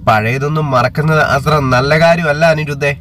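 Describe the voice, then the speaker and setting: A man's voice: on the high side, steady tone, fairly quick, fairly bright tone, slight background noise, close to an everyday voice. A man reading as a scheming bitter aunt. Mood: taunting. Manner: taunting, insistent. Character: scheming middle-aged aunt, bitter and manipulative.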